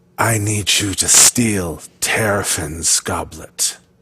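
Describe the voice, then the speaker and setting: A man whispers and growls in a put-on character voice, going at a very slow pace. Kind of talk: low, close, conspiratorial. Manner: whispering, intimate.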